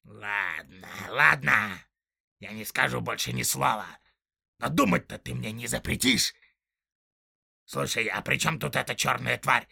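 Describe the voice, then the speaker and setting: A man's voice: medium pitch, animated, a little slow, gravelly, pauses often, bright, forceful tone, husky, no room sound, studio quality, heavily acted. A man voicing a small, spiteful male orc tracker who whines, mocks and snarls. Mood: snarling. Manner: whining, snarling, mocking.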